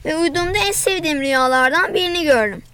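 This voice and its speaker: A woman narrating a novel in the first person, in a plain, flat, repetitive manner. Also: sits high, quick pace, a little hiss or hum. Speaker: audiobook reader.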